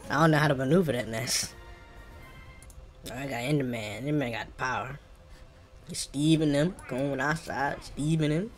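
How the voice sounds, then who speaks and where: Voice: medium pitch, normal speed, pauses often. A streamer with an African American accent and a mid-range voice comments casually on a video game. The talk is colloquial and reactive, half to themselves. Faint music plays behind the voice. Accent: African American English. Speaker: gaming streamer.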